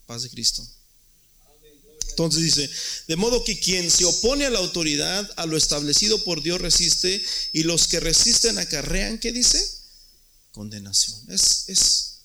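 A man's voice: a little high, bright, forceful tone. A man preaching a sermon as pastor, emphatic and often repeating words.

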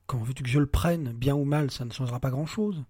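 A man voicing a middle-aged wife who answers quietly and with restraint, tired of the same argument. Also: mid-range voice, quick pace, no room sound, studio quality, natural voice. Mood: resigned. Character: calm, weary wife, middle-aged woman.

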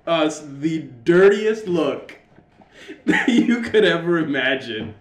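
Animated American man telling stories, echoey room. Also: on the high side, takes it slowly. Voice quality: loud, carrying voice. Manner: animated, profane, acts out reported dialogue. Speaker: podcast co-host. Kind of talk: casual storytelling banter.

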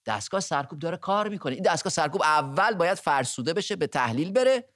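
A man's voice: fairly high pitch, animated, a bit bright, no echo, studio quality. A man who is a guest on a political talk show, explaining his view step by step and listing his points. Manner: measured, explanatory, lists points one by one. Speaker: studio guest commentator. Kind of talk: political discussion.

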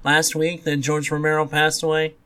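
A man with a fairly high voice chats casually as a podcast co-host. His talk about films is informal and conversational. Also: monotone, moderate pace, sharp tone, smooth. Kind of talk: casual chat about movies.

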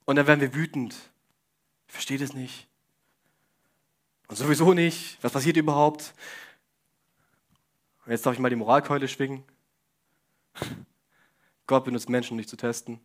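A young man giving a casual sermon, speaking straight to the congregation with questions and joking asides. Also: mid-range voice. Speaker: preacher.

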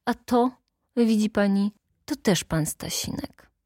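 A woman's voice: mid-range voice, takes it slowly, a little mellow, dry recording, clean studio sound. A woman voicing a grim, sarcastic village farmhand who mutters his accusations. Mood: sardonic.

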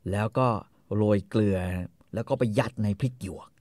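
A man casually retelling a story, crude and animated, acting out the characters. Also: lowish voice, moderate pace, no echo, studio quality.

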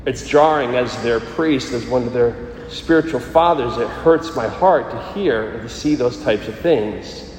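Man, Catholic priest, measured solemn sermon, cathedral echo, long reverberant tail. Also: medium pitch, a little mellow. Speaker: Catholic priest giving a homily. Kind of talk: scripture reading and sermon. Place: large reverberant church. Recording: echoey church, long reverb, background noise.

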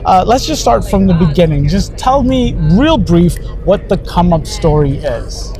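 A man's voice: high-pitched, lively intonation, a little slow, crowd noise. A man hosting a casual interview show in an effusive manner, often breaking in with exclamations.

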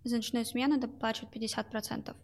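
Answering interview questions as a guest, a young woman describes working at a call center, hesitating often and leaning on fillers. She speaks fast in a creaky, fairly high voice that stays mostly flat in pitch.

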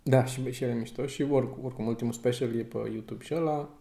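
A man, a stand-up comedian and podcast co-host, chatting casually and telling anecdotes with lively rises in pitch. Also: creaky, roomy sound. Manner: animated storyteller, rising pitch when telling anecdotes. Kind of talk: casual chat.

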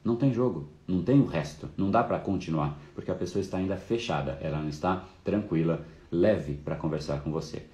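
A man's voice: low voice, brisk, few pauses, mellow, roomy sound. A man hosting a live course talk, explaining casually and fluently with frequent fillers. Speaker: course host.

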